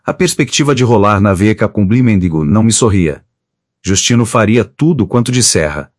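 A man narrating an audiobook of classic prose with steady, measured reading. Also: on the low side, no room sound, clean studio sound.

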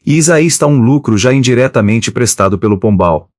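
A man reading a book of letters aloud in a steady, measured way, reading the page headings out too. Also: medium pitch, no echo, clean studio sound. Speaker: audiobook reader.

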